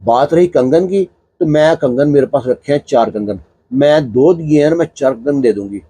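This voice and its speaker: A man's voice: on the high side, mellow, husky, no echo. A man storyteller voicing an older mother-in-law who apologizes hurriedly and explains herself. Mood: apologetic.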